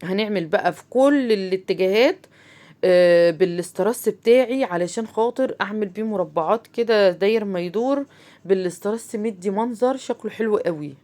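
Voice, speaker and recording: A woman's voice: medium pitch, brisk, mellow. A woman with an Egyptian accent hosting a casual craft tutorial, chatting straight to her viewers with plenty of fillers as she explains each step. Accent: Egyptian Arabic. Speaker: crafts channel host.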